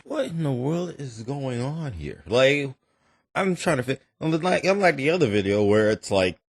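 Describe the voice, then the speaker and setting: A man hosting a reaction video, commenting casually in an animated, rambling and emphatic way. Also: medium pitch, normal speed, dry recording.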